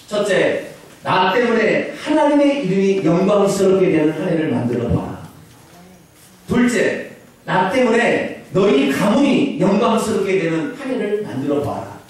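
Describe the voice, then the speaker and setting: A male pastor preaching a sermon in a church, with animated, emphatic calls to the congregation. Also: high-pitched, a little slow. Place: church sanctuary. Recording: echoey church hall, distant mic.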